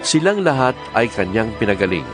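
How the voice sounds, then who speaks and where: A man's voice: lowish voice, big pitch swings, brisk. A man with a Filipino accent narrating a scripted audio Bible. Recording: music under the voice.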